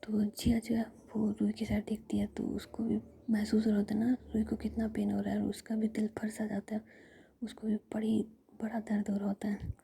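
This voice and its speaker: A woman's voice: mid-range voice, monotone, fairly quick, creaky, dark tone, a little hiss or hum. A woman whispering as she tells a family story in a casual, retelling style.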